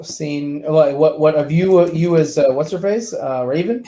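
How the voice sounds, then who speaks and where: A man's voice: on the high side, measured pace, warm tone. A man chatting casually in a loose, slangy way, in a roomy recording with echo. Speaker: panelist on an entertainment chat show. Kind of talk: casual chat. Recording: roomy, echoing sound.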